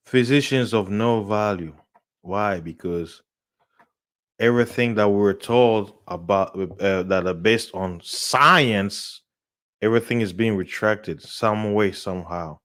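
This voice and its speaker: A man hosting his own live show, rambling in casual talk, laughing often and jumping up loud and high when excited. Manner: rambling, laughs often, many fillers and restarts. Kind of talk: casual live-stream rant.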